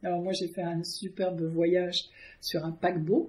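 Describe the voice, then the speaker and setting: Somewhat breathy and dark, mellow in tone, a woman speaks with a slight English-speaking accent. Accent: slight Anglo-Saxon accent in French. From Canada (English-speaking), then France from childhood. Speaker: artist. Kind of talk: interview, life story. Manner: hesitant, many fillers.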